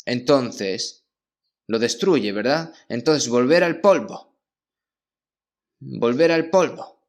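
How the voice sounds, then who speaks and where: A church pastor with a mid-range voice preaches a sermon in a measured way, repeatedly checking in with his listeners through short questioning tags.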